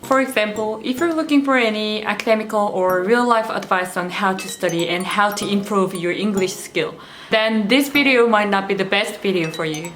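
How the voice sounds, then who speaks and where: A woman's voice: medium pitch, moderate pace, a bit bright, slight background noise. Woman, Korean accent, twenties, casual self-deprecating vlog chat, echoey room. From South Korea. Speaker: vlogger.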